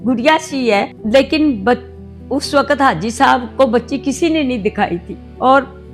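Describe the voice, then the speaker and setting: A woman's voice: sits high, expressive, measured pace. An older woman, sharing a painful life story with heartfelt emotion. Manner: heartfelt, reliving painful memories. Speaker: interviewee telling her life story. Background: soft background music.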